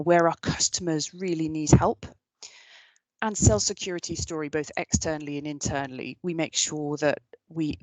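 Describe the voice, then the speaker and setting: Measured British-raised woman, dry close sound. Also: low voice, no room sound, low-quality recording. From United Kingdom. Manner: earnest, measured, frequent ums and restarts. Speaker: keynote speaker. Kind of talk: prepared talk about career, many fillers and restarts.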